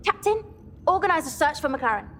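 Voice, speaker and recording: A woman's voice: high-pitched, sing-song, fairly quick, background noise. A woman voicing a vain, dramatic young female pop star captain in a cartoon, bossy and whiny, with music behind.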